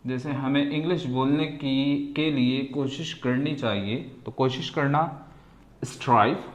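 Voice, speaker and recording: Slow patient man teaching. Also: mid-range voice, fairly even intonation, lo-fi sound. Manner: patient, repeats words and sentences slowly, asks "ठीक है". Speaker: English teacher. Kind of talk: slow vocabulary lesson. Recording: echoey room.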